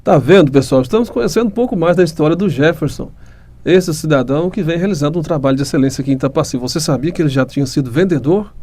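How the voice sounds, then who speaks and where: A man's voice: fairly high pitch, fast, warm tone. A man with a Goiás Brazilian accent hosting a podcast, upbeat and complimentary, asking questions and speaking to the audience. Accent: Brazilian Portuguese, Goiás. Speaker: podcast host.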